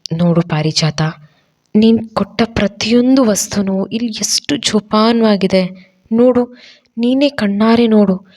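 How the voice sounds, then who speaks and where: A woman voicing an emotional young man who speaks softly and pleadingly in a storybook audio drama. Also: mid-range voice, close to an everyday voice.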